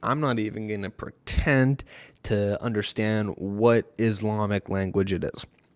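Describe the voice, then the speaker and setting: In a very clean recording with a silent background and a dry, close sound with no echo, a man with a fairly low pitch and a plain, everyday voice talks at a moderate pace. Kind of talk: political commentary reacting to clips. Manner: casual, skeptical.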